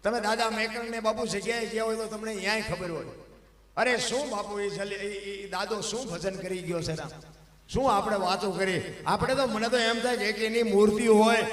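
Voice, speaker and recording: A man telling devotional folk stories on stage, emphatic and swelling into loud declamation. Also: sits high, fairly even intonation, normal speed, distant mic. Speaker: dayro storyteller. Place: live stage program. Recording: echoey hall with long reverb.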